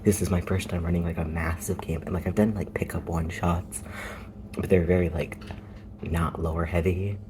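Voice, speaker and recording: A woman's voice: very deep voice, fairly even intonation, normal speed, background noise. A woman vlogging casually as a game master, talking in a nervous, hesitant way with repeated self-reassurance. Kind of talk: casual chat.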